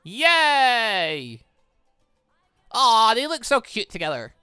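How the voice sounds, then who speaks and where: A man giving rambling, excitable let's play commentary on a close microphone, slipping between asides and character readings. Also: very high voice, drawn-out words, smooth, no room sound. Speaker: gaming channel host. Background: game music.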